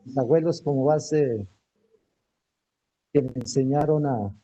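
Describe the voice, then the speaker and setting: A middle-aged Misak man from Cauca whose first language is Namuy Wam, recalling his childhood in a halting way and repeating words as he searches. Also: medium pitch, mellow, poor audio. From Misak community, Cauca, Colombia. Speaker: teacher, panel guest. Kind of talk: panel talk, personal memories.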